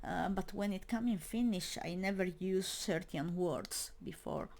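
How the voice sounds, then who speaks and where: A young woman talks through her year in a loose, unscripted monologue, in English that is not her first language. She goes at a slow pace and leans heavily on fillers, often restarting a phrase before finishing it. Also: medium pitch, a little mellow. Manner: hesitant, many fillers and restarts; non-native English speaker. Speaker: metal media creator. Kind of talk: casual spoken monologue.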